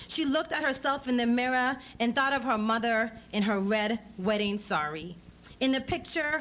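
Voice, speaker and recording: A woman reading a story aloud at a live event, in measured, expressive phrases. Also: fairly high pitch. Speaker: author reading a short story at a public event. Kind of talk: dramatic literary reading of narrative prose with acted dialogue. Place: live lecture event before an audience.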